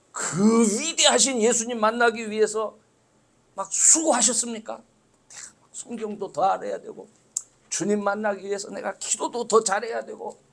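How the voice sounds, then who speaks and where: High, animated Korean male preacher. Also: gravelly. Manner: conversational preaching with sudden loud emphatic swells and soft asides. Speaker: pastor. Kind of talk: sermon. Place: church sanctuary.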